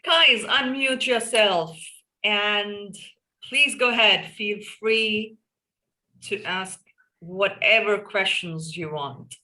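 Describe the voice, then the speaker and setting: An Indian woman moderates a video-call session, her voice bright and clear. She encourages participants and calls on them by name. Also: mid-range voice, slow, rough recording. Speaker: meeting moderator.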